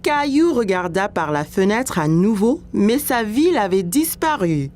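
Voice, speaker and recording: A woman narrating a children's cartoon in a gentle storybook manner. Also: medium pitch, very animated, a little slow, a little hiss or hum.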